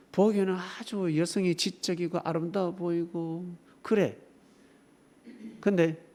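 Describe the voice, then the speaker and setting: With a creaky voice on the high side, a male pastor preaches emphatically, alternating between loud exclamations and quieter asides. He frequently throws rhetorical questions at the congregation.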